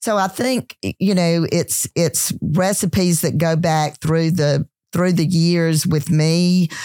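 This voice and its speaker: Speaking very slowly with hardly any pauses, a woman with a Southern US accent uses a fairly low pitch and ordinary pitch variation, the sound dry and close with no echo. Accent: Southern US (Georgia). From US South, Georgia. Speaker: celebrity chef and entrepreneur. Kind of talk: interview. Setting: studio.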